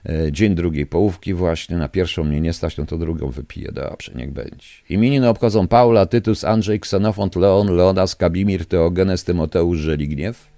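A male host with a deep, warm voice and some vocal fry rants indignantly at his live radio listeners. He speaks at normal speed, and his studio microphone picks up no echo.

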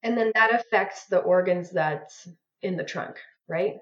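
A woman's voice: fairly low pitch, a little slow, a bit bright. Casual woman interviewer, dull lo-fi sound. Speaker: interviewer, host.

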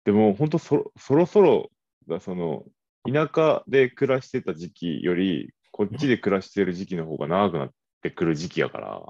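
A low-voiced man with a Kansai accent co-hosts a casual podcast, teasing and playful. His pitch rises and falls a lot as he talks. The sound is dry and a little dull. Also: very animated, normal speed, a little mellow, dry recording. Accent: Kansai Japanese. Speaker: marketing radio producer, co-host.

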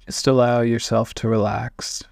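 Very slow, gravelly man guiding meditation. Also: medium pitch, little pitch movement, no room sound. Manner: gentle invitations with long pauses. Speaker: meditation guide. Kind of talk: guided meditation.

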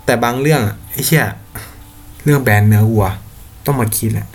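A man's voice: mid-range voice, brisk. Young male podcast host, casual solo talk, blunt and slangy delivery.

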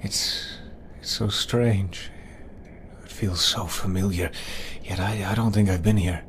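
An actor playing a haunted, weary male adventurer in a horror audio drama, with a halting, brooding manner. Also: sits low, steady tone, a little hiss or hum. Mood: dazed.

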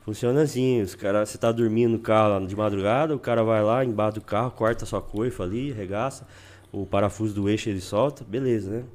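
A man's voice: on the low side, fairly even intonation, fast, darkish tone. A young man with a Brazilian accent, a guest telling a road trip story in slangy casual chat and acting out the people he quotes.

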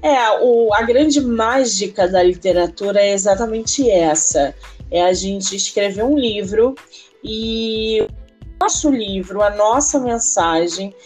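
A woman's voice: mid-range voice, lively intonation, slow pace, a little mellow, soft background music. A Brazilian woman hosting a casual podcast interview, speaking informally and effusively.

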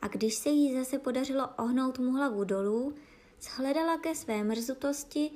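Woman reading a kids' story aloud, calm and even, voice a bit high.

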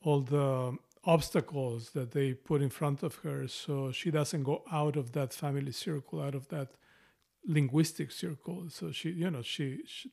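A man's voice: fairly high pitch, creaky, a little mellow. A middle-aged man with a strong Mexican Spanish accent, co-hosting a casual book talk and often restarting his phrases. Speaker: podcast co-host.

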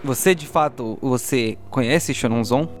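A man's voice: mid-range voice, measured pace, music in the background. A man acting as game master, improvising narration for a tabletop audio drama.

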